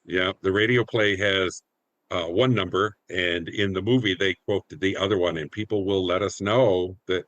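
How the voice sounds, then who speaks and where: A man's voice: deep voice, steady tone, normal speed, a bit bright, no room sound, highs cut off. A middle-aged American man reminiscing casually as a community theater actor in a group interview.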